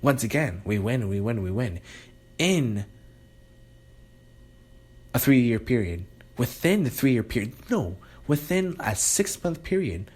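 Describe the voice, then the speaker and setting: A man's voice: mid-range voice, big pitch swings, takes it slowly, pauses often, a little mellow, husky. A man talking in a rambling, sarcastic monologue, often breaking off and restarting. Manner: rambling, sarcastic, self-interrupting with laughs. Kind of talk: casual monologue.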